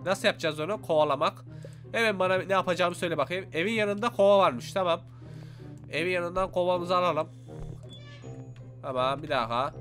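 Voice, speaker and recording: A young man giving excited let's-play commentary, exclaiming and talking to his viewers as he plays. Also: high voice, fairly quick, pauses often. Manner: animated, exclaims and talks to viewers. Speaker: gaming YouTuber. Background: faint game music.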